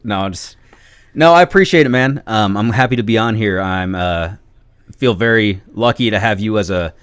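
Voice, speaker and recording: A man's voice: lowish voice, normal speed, a bit bright, clear, resonant tone, dry recording, clean studio sound. A man chatting casually as a podcast guest in a laid-back, self-deprecating way. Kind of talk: casual chat.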